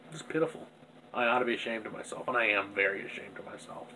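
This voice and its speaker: A man's voice: on the low side, fast talker, bright, forceful tone, slight background noise, rough recording. A man with a stuffy nose talking candidly and self-critically in a rambling personal video diary. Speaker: vlogger.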